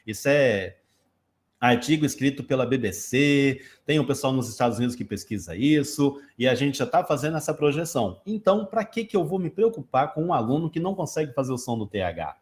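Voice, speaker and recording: A man's voice: medium pitch, animated, brisk. A man with a Brazilian Portuguese accent, an English teacher answering viewer questions in a casual live stream, explaining patiently with everyday examples.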